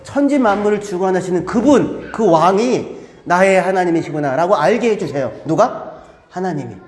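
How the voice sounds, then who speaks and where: A man preaching a sermon as a pastor, animated and acting out voices with shouts. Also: high-pitched, normal speed. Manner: animated, acts out crowds and disciples with shouts. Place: church. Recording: echoey church hall.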